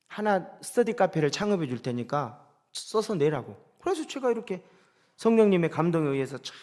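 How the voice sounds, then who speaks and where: A middle-aged man preaching a sermon as pastor, dramatic, moving from loud declarations to soft asides. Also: high-pitched.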